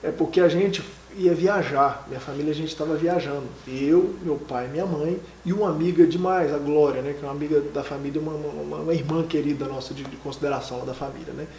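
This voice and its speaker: A high-pitched man tells a lively, emotional personal story as an interview guest, full of fillers and restarts. He sits some way from the microphone in an echoey room with a faint hiss. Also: fast, hardly any pauses. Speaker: interview guest, exam candidate. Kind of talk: casual storytelling. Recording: echoey room, mic from a distance.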